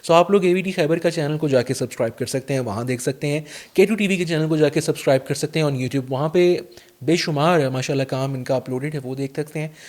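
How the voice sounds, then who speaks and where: A young man hosts a podcast in a chatty, courteous way, pausing often on fillers. His voice sits a little high for a man. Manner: chatty, warm formal address, frequent fillers. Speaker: podcast host. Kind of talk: casual interview chat.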